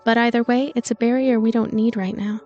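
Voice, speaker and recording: A woman reading a visual novel aloud in an expressive storytelling way, with casual commentary asides. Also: a little high, a little fast, highs cut off. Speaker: let's play narrator and commentator. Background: game music.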